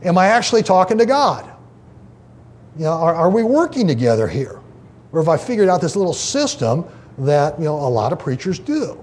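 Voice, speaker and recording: A man's voice: on the high side, sing-song, brisk, a little mellow. A man preaching, teaching scripture in a loose, conversational way, often breaking off to read a quoted passage aloud. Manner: conversational, many fillers and restarts, reads quotations aloud. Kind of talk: informal Bible teaching.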